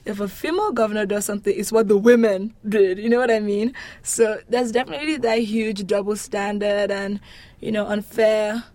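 A young woman from Nigeria with a Nigerian accent, a university student answering interview questions in an animated, emphatic, casual way. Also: mid-range voice, brisk. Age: young adult.

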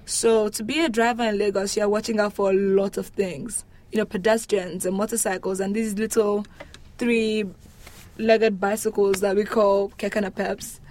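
A woman's voice: mid-range voice, flat delivery, normal speed, darkish tone. A woman from Nigeria, talking casually and with wry humour as she answers interview questions. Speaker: interviewee describing her home country.

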